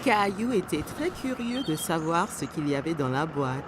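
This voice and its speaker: A woman's voice: low-pitched, big pitch swings, normal speed, background noise. A woman reading scripted children's story narration as the storyteller of a cartoon.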